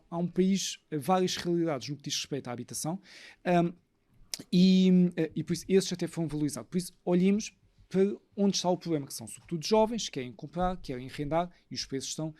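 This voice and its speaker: Fast-talking higher-voiced Portuguese man. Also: mellow. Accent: European Portuguese. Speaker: guest expert, author. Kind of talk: fast analytical discussion.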